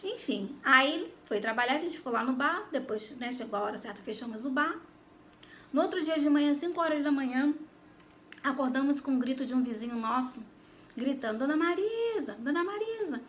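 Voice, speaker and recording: Brief: Brazilian woman, high bright voice, animated faith testimony to her viewers, faint noise behind. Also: a little fast. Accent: Brazilian Portuguese. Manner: animated, addresses listeners directly. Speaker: Christian YouTuber giving testimony. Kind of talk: personal faith testimony storytelling.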